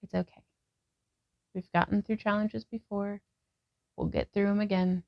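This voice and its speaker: 30s woman walking you through yoga poses, calm and gentle, bit of vocal fry, kinda muffled sound. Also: mid-range voice, normal speed. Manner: calm, gentle cueing with breath prompts. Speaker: yoga vlogger and instructor. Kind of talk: guided yoga instruction. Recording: slightly dull lo-fi sound.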